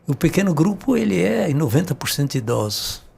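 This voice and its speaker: An earnest man who grew up in the Brazilian countryside talks reflectively on a panel. His voice sits a little high but carries a gravelly rasp. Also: sing-song, fairly quick, a little mellow. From rural Brazil. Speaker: panel guest. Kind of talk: casual panel conversation.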